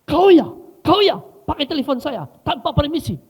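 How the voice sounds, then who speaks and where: A man's voice: extremely high pitch, very animated, moderate pace, voice pushed up, exaggerated voice. A man putting on the voice of an angry rich businessman who barks accusations, in a reverberant hall. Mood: furious shouting. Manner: furious barking accusations.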